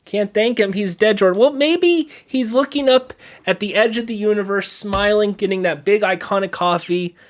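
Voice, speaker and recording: A man's voice: normal speed, few pauses. A man with a nasal, whiny voice co-hosting a stream, joking and teasing in playful banter. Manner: animated, jokey, swings his pitch for bits. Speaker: streamer and co-host.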